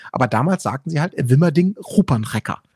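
A man co-hosting a podcast, telling anecdotes casually and haltingly, often repeating words. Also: on the high side, animated, a little mellow, husky. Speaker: podcast co-host.

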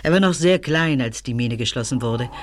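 A woman's voice: rumbling low, lively intonation, brisk, no echo. A woman playing a down-to-earth older landlady in a German audio drama, composed, dignified and slightly resigned. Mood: composed, reminiscing. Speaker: radio play actress.

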